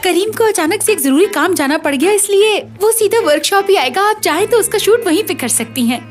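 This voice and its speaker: A curious young journalist in a dubbed TV drama. She talks fast, high and lively, with polite questions. Soft music plays underneath. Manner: polite, inquisitive. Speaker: interviewer.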